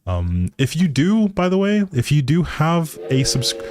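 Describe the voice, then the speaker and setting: A man with a voice on the high side hosts a relaxed gaming livestream, playing a life simulation game and speaking politely and gratefully to viewers. His delivery is sing-song at a measured pace, set against background music.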